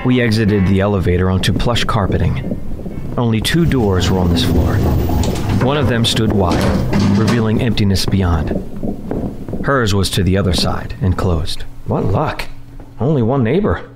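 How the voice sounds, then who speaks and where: A low-pitched young man voiced by an actor tells his story in a measured, wry way. It is first-person audio drama narration, polite in tone, with music underneath. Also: natural voice.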